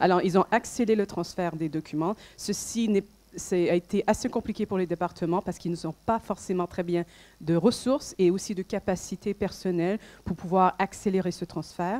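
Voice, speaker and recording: Dry and close with no echo, a woman's dark, mellow voice holds a medium pitch and fairly even intonation. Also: moderate pace. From Canada. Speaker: archivist, speaker at a conference. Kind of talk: conference talk. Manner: halting, many hesitations.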